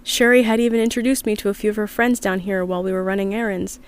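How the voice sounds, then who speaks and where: A woman's voice: medium pitch, fairly even intonation, quick pace, smooth, natural voice. An actress playing an upset, earnest young woman from an underground community, confiding hesitantly in an audio drama diary. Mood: sad, subdued. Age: young adult.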